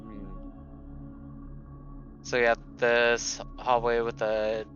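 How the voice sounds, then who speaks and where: A man's voice: medium pitch, monotone, extremely slow, fairly bright tone. Tabletop player, male, mid-range voice, unsure casual chat, dull recording. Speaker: player in a tabletop roleplaying game. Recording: dull lo-fi audio under music.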